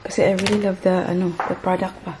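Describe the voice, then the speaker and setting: A woman's voice: lowish voice, flat delivery, fast, noisy background. A woman chatting casually to her viewers in a family vlog, calling them "guys" and laughing often. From Philippines. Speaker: family vlogger. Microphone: handheld vlogging camera or phone.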